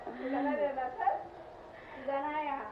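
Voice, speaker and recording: A woman's voice: sits high, flat delivery, moderate pace, a crowd in the background. Distant woman teasing a dog. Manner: playful teasing, often soft. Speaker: family member teasing the dog. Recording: distant, very echoey, noisy, dull.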